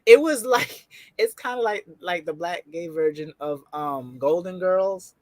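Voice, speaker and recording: A young adult woman co-hosting a casual TV review show at home, chatty and quick to laugh, with loose slang. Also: fairly low pitch, lively intonation, dry recording, clean studio sound.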